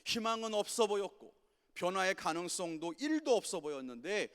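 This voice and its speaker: A man preaching a sermon to a youth congregation, impassioned, with swings from loud commands to quiet low lines. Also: big pitch swings, moderate pace, clear, resonant tone. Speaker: pastor. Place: church sanctuary. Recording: church sanctuary with long reverb.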